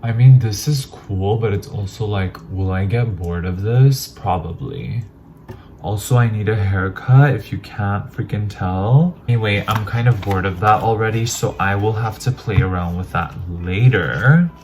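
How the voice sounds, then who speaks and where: A man's voice: fairly low pitch, a little slow, a little mellow, a little hiss or hum. A man chatting casually as he unboxes and tries products, rambling and poking fun at himself. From Armenian heritage. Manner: chatty, rambling, self-deprecating. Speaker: vlogger.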